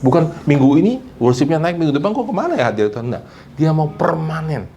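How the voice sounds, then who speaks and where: A man preaching a church sermon, mixing English phrases into his talk and swinging between loud, high emphasis and low, quiet asides. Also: very animated, fast, vocal fry, slight background noise. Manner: mixes English phrases into preaching, repeats "saudara" and "amin". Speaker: pastor.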